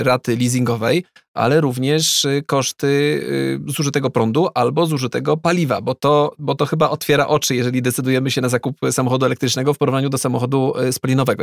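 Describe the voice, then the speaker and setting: A man's voice: mid-range voice, creaky, no echo, clean studio sound. A man in a panel discussion who works through cost figures aloud as he explains them. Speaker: panel guest. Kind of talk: conversational discussion.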